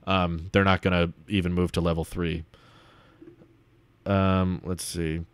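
A man's voice: lowish voice, no room sound. A young man talking casually and thinking aloud as he hosts a stream, reading and answering comments into a close desk microphone. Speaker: video host reading and answering viewer comments. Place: small home room set up as a streaming studio, indoors. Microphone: desk microphone on a boom arm, close.

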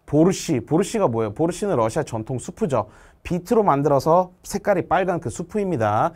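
A male language teacher explaining exam answers step by step, asking questions and answering them himself, and reading example sentences slowly. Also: on the high side, lively intonation, darkish tone. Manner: reads Russian example sentences slowly and clearly.

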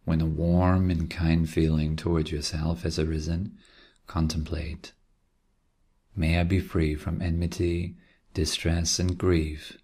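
Very deep, gravelly man guiding meditation. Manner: calm, gentle, unhurried instruction with long pauses. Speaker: meditation teacher. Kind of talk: guided meditation. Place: quiet room.

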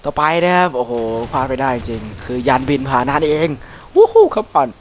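A man giving casual, chatty commentary over a video game, swearing freely and breaking into excited whoops. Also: mid-range voice, fast, background noise. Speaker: gameplay commentator. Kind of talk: casual let's-play commentary.

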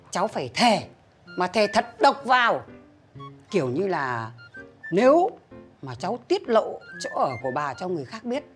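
An actress playing a stubborn, bossy old grandmother, grumbling and scolding as she talks. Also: fairly low pitch. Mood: demanding. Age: older. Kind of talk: TV drama acting.

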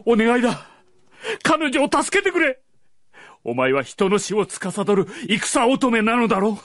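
A man's voice: very high-pitched, big pitch swings, a little slow, no echo, clean studio sound, full character voice. A man playing a guilt-ridden widowed nobleman and father in a radio drama, theatrical, pleading and impassioned. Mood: desperate. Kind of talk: Japanese radio drama acting.

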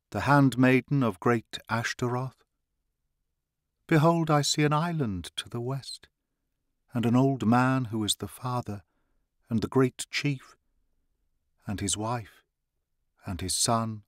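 A man reading an audiobook, voicing an entranced female seer who speaks in a high, sighing voice with solemn, prophetic chanting. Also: dry recording, studio quality, lightly acted. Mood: trance-like.

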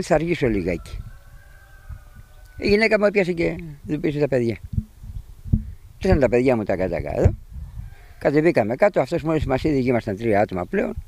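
A middle-aged man outdoors at his sheep pen, retelling to a reporter what happened in an agitated, animated way. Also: on the high side. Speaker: sheep pen owner telling of an intruder. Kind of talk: eyewitness account to a reporter.

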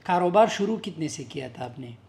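Joking male host, slightly high voice. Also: animated, a little fast, gravelly, a little mellow. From Pakistan. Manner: joking, mixes English into Urdu-Hindi. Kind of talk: casual interview. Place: indoor furniture warehouse showroom.

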